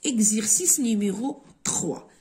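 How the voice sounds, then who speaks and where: Moroccan lady teacher going over french exam stuff, slow careful examples then quick explaining, mellow voice. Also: medium pitch, lively intonation. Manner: switches between slow dictation-like French and quick Darija explanations. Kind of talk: exam review lesson.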